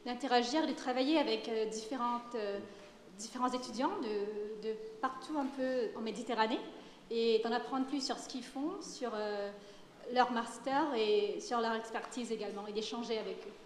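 A woman's voice: on the high side, normal speed. A young woman from Mauritius, a student, giving a hesitant testimony with many fillers, in a large hall. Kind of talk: audience testimony. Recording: echoey hall, faint room noise.

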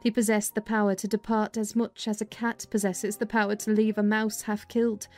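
Female narrator for a dramatized classic, medium pitch, measured literary delivery over background music. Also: flat delivery, darkish tone. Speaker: audiobook narrator.

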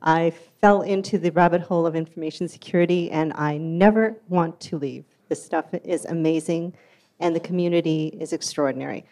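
A woman's voice: sits low, steady tone, a little fast, mellow. A woman giving an enthusiastic, upbeat conference talk in a hall. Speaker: security conference speaker.

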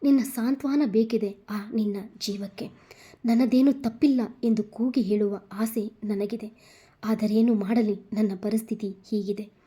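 Woman reading hurt girl's inner monologue, soft, sorrowful, poetic. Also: fairly high pitch, steady tone, a little slow, husky.

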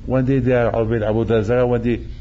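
A man's voice: mid-range voice, little pitch movement, fast, muffled recording, slight background noise. An older man, a rabbi, preaching animatedly, repeating phrases and acting out quotes, speaking into a stand mic in a synagogue hall. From Morocco. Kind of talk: sermon. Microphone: stand mic at chest.

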